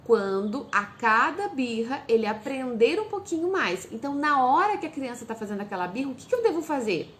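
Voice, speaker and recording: A woman giving direct parenting advice. She asks parents questions and answers them herself, and she acts out calm lines a parent might say to a child. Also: high voice, brisk, few pauses, a little hiss or hum. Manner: speaks straight to parents, asks and answers her own questions. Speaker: parenting educator.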